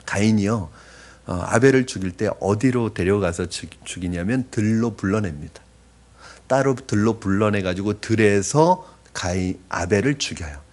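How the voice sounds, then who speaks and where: A man's voice: fairly low pitch, moderate pace. A man preaching a conversational sermon as pastor, often asking the congregation questions. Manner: acts out polite apologies in a softened voice.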